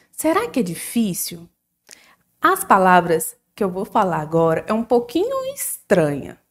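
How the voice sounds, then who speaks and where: A woman teacher with a Brazilian accent giving a recorded lesson to young children, slow and sing-song, drawing out syllables. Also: mid-range voice. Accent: Brazilian Portuguese.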